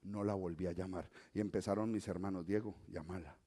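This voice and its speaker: Colombian pastor preaching with dramatic swings. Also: male voice, deep voice, fairly even intonation, brisk. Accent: Colombian Spanish, softened toward neutral. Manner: swings from quiet asides to loud emphatic exhortation. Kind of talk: sermon.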